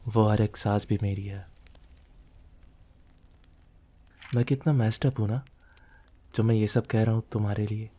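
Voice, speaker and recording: A possessive mafia boss, acted out by a man in an intimate ASMR roleplay. His voice is low and very mellow, with a seductive, commanding murmur. He is dominant, teasing and obsessive toward his lover. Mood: possessive, intense.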